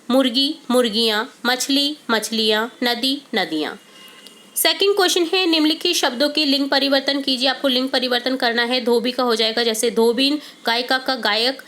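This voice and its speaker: A woman teacher who walks through workbook answers step by step, reading each answer aloud slowly. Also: sits high, fairly bright tone.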